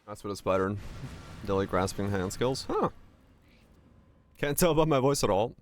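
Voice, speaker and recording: A man with a raspy voice giving loose, profane live commentary as a game streamer and answering chat offhand. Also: on the low side, animated, moderate pace, a little hiss or hum. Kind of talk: casual live gameplay commentary.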